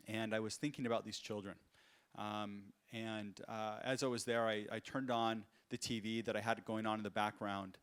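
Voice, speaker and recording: A man, an entrepreneur, giving an earnest conference talk full of personal stories, with frequent fillers and restarts. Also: lowish voice. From United States. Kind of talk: conference keynote storytelling. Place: conference stage.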